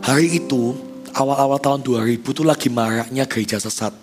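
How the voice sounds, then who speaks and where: A man's voice: medium pitch, brisk, faint music behind. A man in his thirties, a pastor telling a personal story in a sermon, talking casually to the congregation and acting out quoted dialogue. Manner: conversational, addresses congregation, acts out quoted dialogue. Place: church stage.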